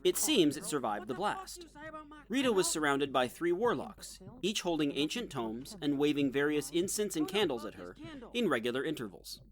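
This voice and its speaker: A man's voice: fairly high pitch, very animated, normal speed. A man reading scripted narration for an audio drama.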